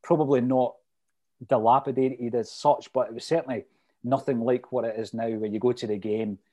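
A middle-aged Scotsman speaks in a Fife accent with a mellow, softly rounded tone at an ordinary male pitch. He chats casually, telling his memories as detailed anecdotes. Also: steady tone, moderate pace. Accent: Fife Scottish. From Fife, Scotland. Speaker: interview guest, lifelong football supporter. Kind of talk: casual reminiscing chat.

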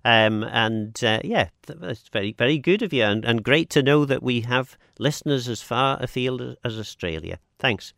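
A man's voice: mid-range voice, lively intonation, moderate pace, gravelly, hardly any pauses, a bit bright, dry recording, studio quality. A man with an Isle of Man accent hosting a live radio phone-in, chatting and reading out texts with hesitant, stammering starts. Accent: Manx (Isle of Man).

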